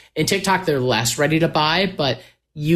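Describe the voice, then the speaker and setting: Somewhat breathy speech comes at a fairly quick pace with ordinary pitch variation. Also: man. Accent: American. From Chicago. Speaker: entrepreneur and investor. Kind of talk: casual chat.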